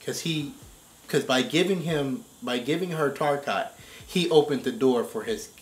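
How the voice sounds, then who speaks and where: A man with a mid-pitched voice talks casually as a show commentator. He explains his points step by step, often checking that the others follow. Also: unhurried, poor audio. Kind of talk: casual discussion of game story.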